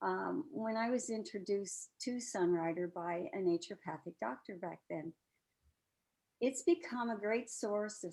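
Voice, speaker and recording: Speaking at a moderate pace in a Canadian accent, a woman has a medium pitch and a dark, mellow tone. Her intonation is lively. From Canada. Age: 70s. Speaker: direct sales leader. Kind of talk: testimony.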